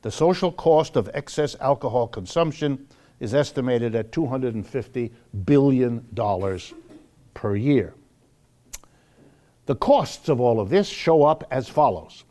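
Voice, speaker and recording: A man speaks as a lecturer before the public, in a mid-pitched voice. His delivery is deliberate and emphatic, and he repeats phrases to drive them in. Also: animated, mellow.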